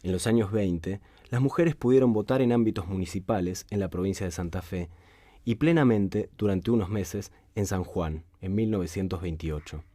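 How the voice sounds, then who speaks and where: Deep, mellow male documentary narrator. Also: dry recording, clean studio sound. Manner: steady, measured reading. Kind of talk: scripted narration.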